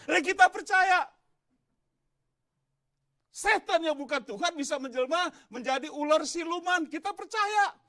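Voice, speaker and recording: High, bright-voiced animated Indonesian pastor. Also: male voice. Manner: animated preaching with rising shouts and asides to the congregation. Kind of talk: sermon. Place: church.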